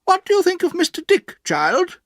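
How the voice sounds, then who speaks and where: Narrator doing a stern old aunt, high and piercing, bossy, dry close sound. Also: huge pitch swings, normal speed, no room sound, heavily acted. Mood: firm, sharp. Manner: sharp and bossy, shouting when angry. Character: stern, cross elderly aunt, kind underneath. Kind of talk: storybook reading.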